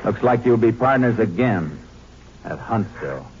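A low-voiced, commanding Texas Ranger in 1950s radio drama style. He is steely and resolute. The recording is dull and dated, with music. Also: expressive, normal speed. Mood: stern. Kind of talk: 1950s radio drama acting and first-person narration.

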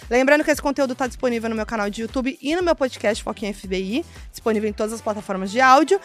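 A young woman with a Brazilian accent hosting a casual gossip chat, animated and full of "né" and "gente" tags. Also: fairly high pitch, fast talker, soft background music. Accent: Brazilian Portuguese. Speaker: host.

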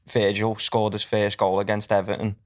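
A man chatting casually as a co-host, quick and slangy. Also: lowish voice, level tone.

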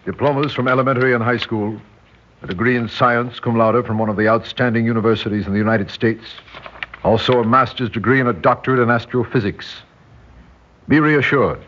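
A man's voice: mid-range voice, fairly even intonation, brisk, fairly bright tone, slight background noise, lightly acted. An actor playing a stern, commanding male spy instructor who speaks in a curt, formal, clipped way, in a 1960s radio drama. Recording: dull lo-fi old radio recording.

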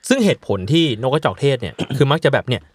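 A man's voice: mid-range voice, quick pace, slightly rough, no room sound. A man co-hosting a casual podcast, joking and telling a quirky news item. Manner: lively, jokey, mixes in English phrases. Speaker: podcast co-host. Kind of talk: casual chat.

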